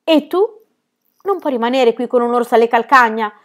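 A woman voicing a caring boy from a storybook, speaking softly with tender concern. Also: fairly low pitch, fairly quick. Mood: worried. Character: gentle, caring boy, son of a robber chief.

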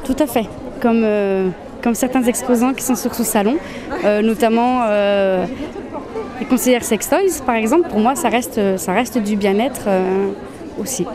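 A woman's voice: on the high side, a little slow. A woman organizer answering interview questions, hesitant and full of fillers. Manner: hesitant, many fillers and restarts. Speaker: event organizer. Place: busy exhibition hall. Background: crowd chatter.

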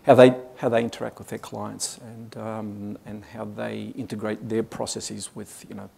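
A man's voice: on the low side, flat delivery, moderate pace, creaky, mellow, a little hiss or hum. A man in his forties with an Australian accent, giving a business talk at a conference with many fillers and restarts. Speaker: conference speaker. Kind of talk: business presentation. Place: conference hall stage.

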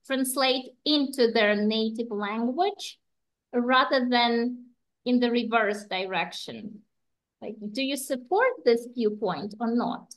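Slow, high-voiced young woman asking politely. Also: low-quality recording. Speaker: student asking a question. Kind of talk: polite question. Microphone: video call.

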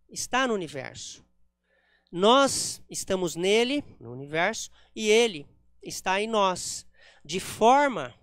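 A man's voice: high-pitched, dry recording, studio quality. A man giving a spiritist lecture at a center, explaining ideas step by step with frequent "né?" tags. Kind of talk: public lecture with slides.

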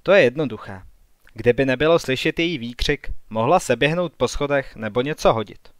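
A man's voice: mid-range voice, no room sound, studio quality, natural voice. A man voicing a shrewd, composed woman who reasons in a matter-of-fact way in an audiobook. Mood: reasoning.

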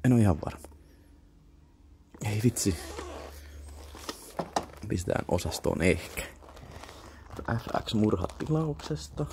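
Young Finnish man, low and gravelly, mumbling half-whispered asides, noisy camera mic. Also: big pitch swings, pauses often, darkish tone. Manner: mutters to himself, half-whispered asides, swears offhand. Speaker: vlogger browsing a flea market. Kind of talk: casual muttered commentary to camera. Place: indoor flea market.

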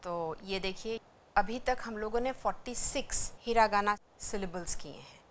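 In this educational lecture, a woman teaches a language lesson at a moderate pace, her voice mid-range with a little background noise. She explains patiently and goes through syllables one by one, repeating them for her students to practice.

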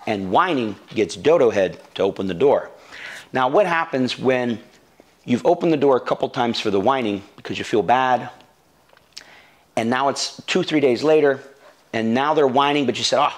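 Man coaching dog owners on crate training. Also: medium pitch. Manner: direct, coaching tone, repeats key words for emphasis. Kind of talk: instructional video lesson. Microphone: wearing a lapel mic.

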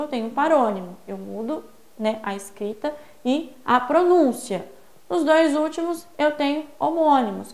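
High-voiced Brazilian woman teaching grammar. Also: reverberant. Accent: Brazilian Portuguese. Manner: didactic, stresses example words, checks in with "certo?". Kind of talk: exam-prep grammar lesson.

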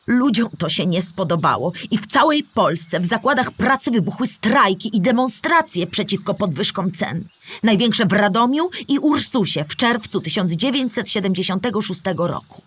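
A woman playing a knowledgeable storyteller character, narrating history in a measured, explanatory way with a husky voice. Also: mid-range voice, sing-song, a bit bright. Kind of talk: scripted educational narration.

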